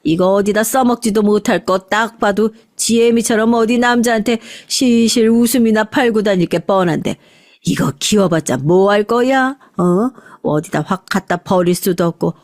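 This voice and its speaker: A woman's voice: mid-range voice, moderate pace, darkish tone, dry recording, studio quality, natural voice. A woman voicing a bitter, scornful old grandmother who scolds and curses in an audio story drama. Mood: scornful scolding. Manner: scolding, cursing.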